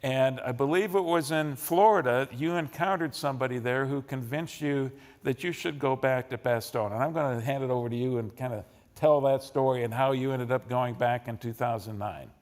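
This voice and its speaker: A man's voice: mid-range voice, normal speed, few pauses, a little mellow. A man with an American accent hosting an interview, introducing his guest in semi-formal, unscripted talk. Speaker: interview host. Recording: echoey hall with long reverb.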